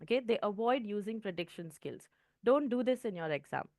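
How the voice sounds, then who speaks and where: A woman's voice: mid-range voice, lively intonation, a little fast, darkish tone, no echo, studio quality. A woman with an Indian English accent giving a test-prep lesson, often checking in with "okay". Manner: clear teaching tone, frequent "okay" checks. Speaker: IELTS trainer.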